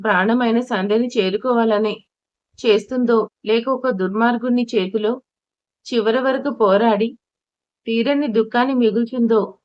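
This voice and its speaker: A woman storyteller reading an emotional audio story in an expressive way, now and then correcting herself. The audio is dull and lo-fi. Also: fairly high pitch, dry recording. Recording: dull lo-fi recording.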